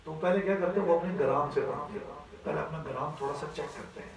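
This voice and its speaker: A man's voice: a little high, very echoey, far from the mic, crowd noise, poor audio. A man teaching a class on Quran recitation, explaining step by step and often checking that his students follow. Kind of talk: classroom voice lesson.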